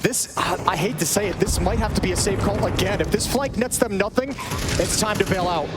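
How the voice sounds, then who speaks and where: Man, esports caster, high voice, tactical co-commentary, analyst role, very noisy background. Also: fairly quick.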